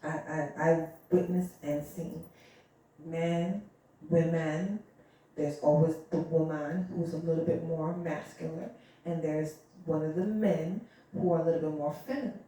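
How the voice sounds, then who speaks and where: A woman's voice: low-pitched, fairly even intonation, unhurried, dark tone. A woman in her thirties co-hosting a casual podcast chat, talking earnestly with lots of fillers and repeated phrases. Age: 30s. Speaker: podcast co-host. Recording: very echoey room, far from the mic.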